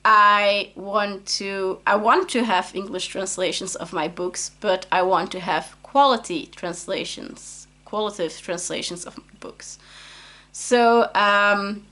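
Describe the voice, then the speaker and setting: A woman's voice: mid-range voice, steady tone, slow pace, sharp tone. A Dutch-speaking woman from Belgium, an author vlogging in English in a chatty, rambling way with many fillers and restarts. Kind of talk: casual vlog chat.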